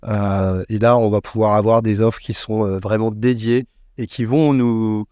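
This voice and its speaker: A man speaking as an expert podcast guest in a conversational interview, explaining things in a measured way as he thinks aloud. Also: lowish voice, steady tone, a little mellow, dry recording, studio quality.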